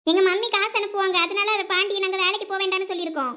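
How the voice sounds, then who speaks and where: In a giddy, racing delivery, a voice actor portrays a whiny, childish young city bride who is spoiled and loves food, for a village cartoon. Her very high, steady voice sounds pushed and bright, carrying a Thoothukudi Tamil accent.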